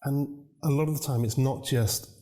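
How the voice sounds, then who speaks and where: A man, a new parent, answering interview questions about business and communication in a measured, reflective way. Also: medium pitch, steady tone, mellow, soft background music. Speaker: business consultant guest.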